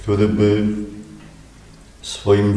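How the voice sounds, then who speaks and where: A man speaks with a fairly low pitch in a dark, mellow tone that is somewhat breathy. Room echo can be heard. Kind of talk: sermon. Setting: chapel. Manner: soft-spoken.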